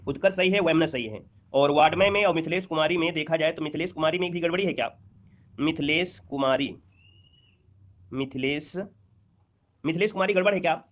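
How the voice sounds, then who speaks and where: A fast-talking man teaching an exam-prep lesson with a slightly high voice. He repeats each point and keeps asking students whether they follow, quizzing them with rhetorical questions. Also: fairly bright tone. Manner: repeats points with checking tags.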